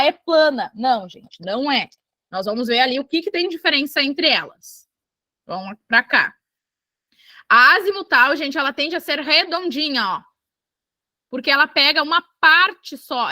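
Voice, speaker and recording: A woman from Brazil teaches an online exam-prep geography lesson with a high, bright, forceful voice. She is lively and keeps turning to her students to check they follow. The sound is dry and close to the mic. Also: no room sound.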